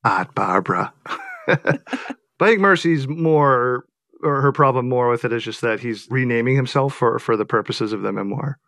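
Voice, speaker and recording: A man's voice: mid-range voice, moderate pace, fairly bright tone, no echo, clean studio sound. Thoughtful man answering interview questions. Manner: thoughtful, hesitant, with many fillers and restarts. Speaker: author guest.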